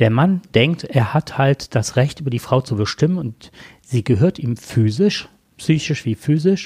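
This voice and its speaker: A man with a fairly high, somewhat breathy voice speaks at a fairly slow pace with lively intonation, in a dry, close sound with no echo. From Germany, Rhineland lignite mining area. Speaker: podcast co-host. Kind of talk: casual chat.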